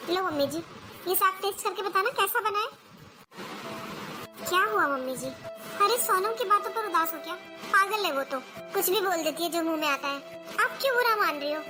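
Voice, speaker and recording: A woman's voice: very high voice, animated, a little fast, music in the background. Woman doing a sweet, soothing elder daughter-in-law. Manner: gentle, coaxing. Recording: noisy home recording.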